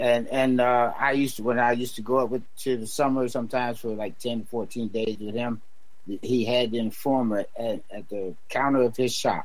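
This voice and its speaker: Room echo is audible as a man talks at medium pitch and a moderate pace. His intonation stays fairly even. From Virginia, Yorktown area. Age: 60s. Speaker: caller, Air Force veteran. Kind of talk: call-in radio.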